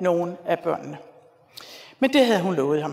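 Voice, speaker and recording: A woman speaks over noticeable background noise. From Denmark, north of Copenhagen. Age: 60s. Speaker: speaker on abuse survivor experience. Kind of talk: lecture. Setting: church.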